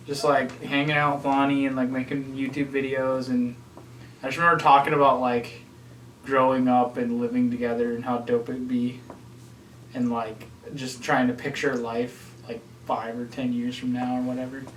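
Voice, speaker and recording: A man's voice: medium pitch, level tone, normal speed, slight background noise. A man in his twenties co-hosting a casual podcast, rambling and filling his talk with "like". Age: 20s. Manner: rambling, heavy use of "like". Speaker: podcast co-host. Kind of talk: casual chat among friends. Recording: roomy sound from a distance.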